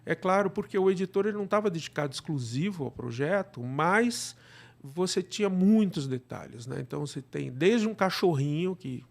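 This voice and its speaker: A man with a Brazilian accent answering interview questions conversationally, explaining in a halting way and often checking with the listener. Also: high-pitched, expressive, gravelly. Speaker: podcast guest, radio drama producer.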